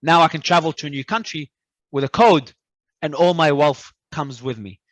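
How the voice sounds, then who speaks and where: A man from Australia, a guest talking in an animated, emphatic way and often repeating words as he restarts. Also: on the high side, moderate pace, no echo. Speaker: crypto entrepreneur guest. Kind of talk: casual interview talk.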